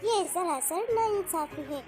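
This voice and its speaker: High-pitched jealous, whiny girl. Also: lively intonation, slow pace, darkish tone, soft background music, exaggerated voice. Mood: resentful. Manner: whiny, scolding, indignant. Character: jealous, resentful hot-tempered young daughter Rinky. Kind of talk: children's moral story character acting.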